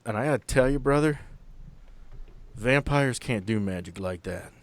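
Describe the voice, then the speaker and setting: A man playing an earnest, blunt veteran agent with a folksy, salty, deliberate way of talking in a tabletop game. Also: medium pitch, animated, lightly acted. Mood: blunt, confiding.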